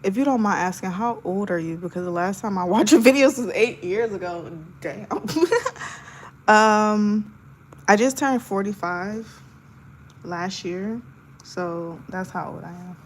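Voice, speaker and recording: A woman's voice: mid-range voice, unhurried, a little hiss or hum, poor audio. A young woman in her twenties, chatting casually with viewers while she sketches, giggling often and using lots of filler words. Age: 20s. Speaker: art livestreamer.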